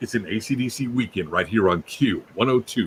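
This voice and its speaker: A man uses a put-on character voice at a medium pitch. He talks at a fairly quick pace. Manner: energetic, promotional.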